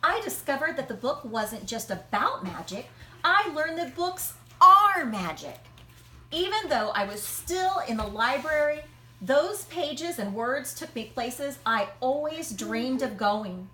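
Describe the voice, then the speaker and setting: A woman reading a children's picture book aloud, expressively, with dramatic pauses and emphasis. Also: high-pitched, very animated, pushed and bright, roomy sound. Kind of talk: animated children's read-aloud.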